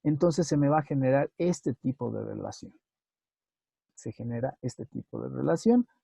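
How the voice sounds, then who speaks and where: A man lectures step by step, his voice gravelly and husky, with a dark, mellow tone. He often checks in with his students and corrects himself as he goes. The sound is dry and close, with no room echo. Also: mid-range voice, expressive, normal speed. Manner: methodical, repeats points and checks with tag questions; self-correcting, with hesitations. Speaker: university lecturer. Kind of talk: recorded online lecture on queueing theory.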